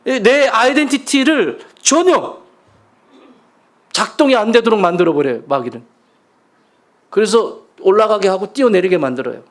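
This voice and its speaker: A man's voice: high-pitched, expressive, normal speed, long pauses. A man preaching a sermon as pastor, emphatic and leading his congregation in call-and-response. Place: church sanctuary.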